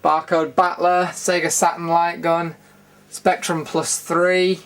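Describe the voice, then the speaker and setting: A man's voice: on the high side, flat delivery, slow, fairly bright tone. A British man hosting a retro gaming show, casually narrating a room tour in an informal, rambling, enthusiastic way.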